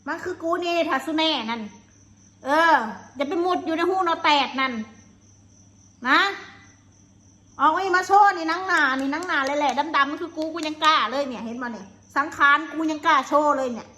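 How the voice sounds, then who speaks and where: A woman from Laos, speaking with a Lao accent, rants angrily alone on a live stream, cursing and throwing insults. Her voice sits high and sounds pushed and bright, at a moderate pace.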